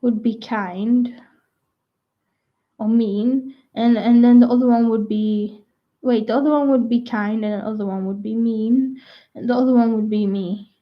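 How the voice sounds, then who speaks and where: A young adult woman rambling casually to her viewers, full of "like" and restarts, her voice croaky at times. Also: a little high, steady tone, unhurried. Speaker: vlogger. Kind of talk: rambling casual chat to camera. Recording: dull lo-fi sound.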